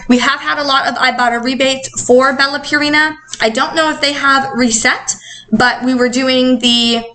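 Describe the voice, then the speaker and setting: A woman's voice: sits high, fairly even intonation, normal speed, pushed and bright. A woman hosting a casual, chatty, upbeat coupon vlog, her articulation slightly altered by wearing dental retainers.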